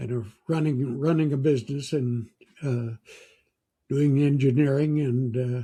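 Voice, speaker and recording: Speaking at a fairly slow pace with long, frequent pauses, a man uses a medium pitch and a somewhat breathy voice with a dark, mellow tone. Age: 90s. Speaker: retired business owner. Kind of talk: interview. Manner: halting.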